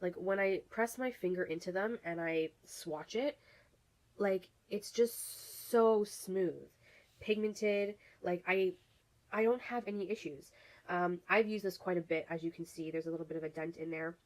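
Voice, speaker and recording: Woman, beauty vlogger, low-pitched, casual gushing review, lots of fillers, recovering from a cold. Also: measured pace, rough recording. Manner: chatty, many fillers and restarts, gushing. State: getting over a cold, coughing.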